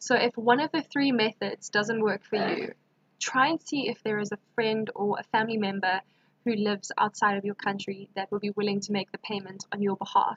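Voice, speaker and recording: A woman speaks in a plain, everyday voice, fairly high in pitch, with fairly even intonation at a fairly quick pace, the sound dry and close with no echo. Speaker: youth organisation representative. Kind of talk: webinar presentation.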